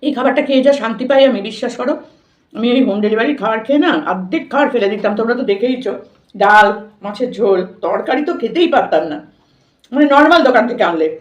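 A woman vlogger chats informally with her viewers while eating, much like a casual food vlog. Her voice is on the high side, expressive and fast. The sound is dull and lo-fi, with an echoey room.

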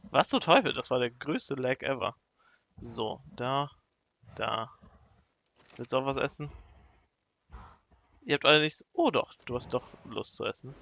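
A young man giving casual, excitable let's play commentary and talking to the animals in his game. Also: medium pitch, creaky, lo-fi sound. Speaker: gaming YouTuber.

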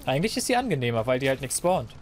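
A man giving casual, playful Let's Play commentary, talking to the game and his viewers, his voice a bit hoarse. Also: mid-range voice, very animated, very fast. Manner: playful, talks to the game and viewers, silly noises. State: slightly hoarse, clearing throat.

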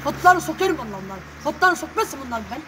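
Shrill, fast-talking woman from Sorgun. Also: sing-song. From Sorgun, Yozgat, Turkey. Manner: chants phrases over and over, swears and blesses. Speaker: street personality being filmed. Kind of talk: loud repetitive street banter. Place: outdoors in a city park. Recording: distant outdoor voice with loud street noise.

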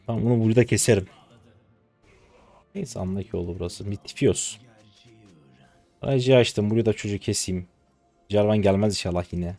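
A man in his twenties commenting live on his own gameplay, exasperated, swinging between low mutters and loud outbursts at his teammates. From Turkey. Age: 20s. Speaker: game streamer.

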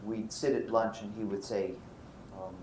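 An older man from Brooklyn giving a university physics lecture, animated and often checking in with his students. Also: lowish voice, a little slow. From Brooklyn, New York. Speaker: physics professor. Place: lecture hall. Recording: roomy lecture hall, faint noise.

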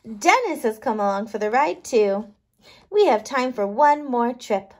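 Woman, teacher read-aloud, higher voice, very lively intonation, unhurried, playful. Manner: expressive, playful, emphasising words. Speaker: kindergarten teacher reading aloud. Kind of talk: children's picture book read-aloud.

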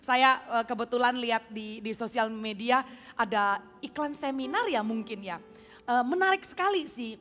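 A woman's voice: a little high, normal speed, a bit bright, long reverb tail, faint music behind. A woman preaching a sermon, telling a story and acting out its characters, slipping English phrases into her talk. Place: church hall.

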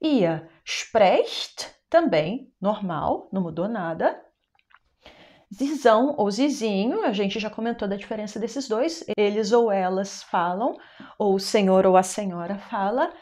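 A young Brazilian woman with a Brazilian Portuguese accent teaching a German lesson online, explaining patiently step by step and slowing down for the example words. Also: medium pitch, animated, a little mellow.

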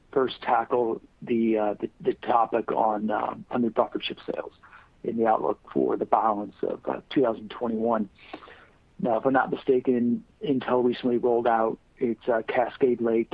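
Flat-toned man on a phone line. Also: mid-range voice, no echo. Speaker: financial analyst asking questions. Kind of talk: earnings call questioning. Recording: tinny narrow phone line.

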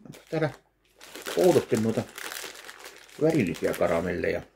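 Slow-talking man reviewing candy at home. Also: low voice, sing-song, creaky, noisy background. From Finland. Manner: slow, chewing between remarks. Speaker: candy taste-test vlogger. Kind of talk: casual tasting commentary. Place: home kitchen, indoors. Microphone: webcam at desk distance.

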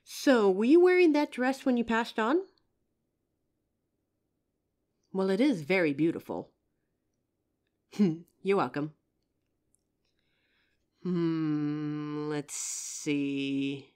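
A voice actress plays a helpful psychic shopkeeper in an audio roleplay. Her voice sits a little low for a woman and moves up and down a lot. She chats in a curious, friendly way, leaving pauses as if someone is answering. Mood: chatty, light. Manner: chatty, expressive, with pauses and soft laughs. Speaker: voice actor. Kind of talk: roleplay audio drama, one side of a chat addressed to the listener.

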